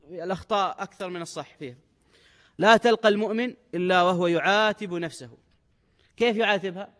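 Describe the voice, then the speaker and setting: A man delivers a religious lesson in a high, quick voice. He reads each quoted text with lifted emphasis, then explains it in everyday dialect. A long hall reverb trails behind every phrase. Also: fairly bright tone. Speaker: religious teacher.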